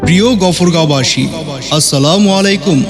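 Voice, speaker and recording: A man making a measured, official public service announcement, his voice sounding as if it comes through a loudspeaker. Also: a little high. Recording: long reverb with music behind.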